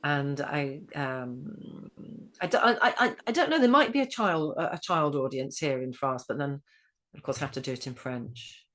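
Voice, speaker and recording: British woman with a deep-ish low voice, chatting in an interview, keeps correcting herself. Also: animated, normal speed, fairly bright tone. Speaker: guest storyteller. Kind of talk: casual interview chat.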